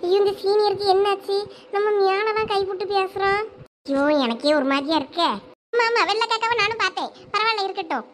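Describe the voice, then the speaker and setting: A woman's voice: very high-pitched, slight background noise. A woman voicing a nosy, teasing young village woman in a cartoon, with a Thoothukudi Tamil accent. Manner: nosy, fast-talking, teasing. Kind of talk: cartoon voice acting.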